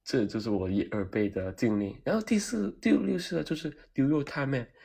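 Brief: man from Hong Kong with a Cantonese accent, animated self-mocking vlog storyteller, mid pitch. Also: moderate pace, vocal fry, husky. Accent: Cantonese-accented Mandarin. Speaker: vlogger. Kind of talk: comedic personal storytelling.

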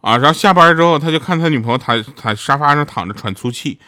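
A man hosting a show in a relaxed, playful storytelling manner, telling a joke before introducing a song. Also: fairly high pitch, fast talker, no room sound, clean studio sound. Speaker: radio drama cast member hosting a show.

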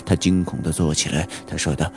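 Very deep, gravelly horror storyteller man. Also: steady tone. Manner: slow, suspenseful storytelling. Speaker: audiobook narrator. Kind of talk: scripted horror audiobook narration. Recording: audiobook with background music.

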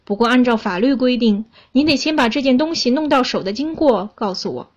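A woman's voice: on the high side, animated, brisk, dull audio. A woman voicing a businesslike male jeweler who speaks firmly and matter-of-factly in a storybook telling.

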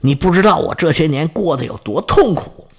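Brief: whiny, headstrong youth, husky, wheedling, as a male storyteller puts him on. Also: on the high side, expressive, brisk. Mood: whining. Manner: whining, wheedling. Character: whiny, headstrong young son of a god.

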